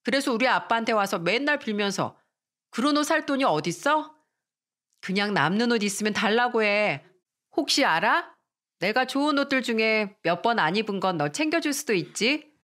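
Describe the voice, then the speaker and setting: A woman's voice: a little high, expressive, moderate pace, a bit bright. A woman voicing a spoiled, mocking schoolgirl bully in a radio drama reading. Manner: sneering, mocking.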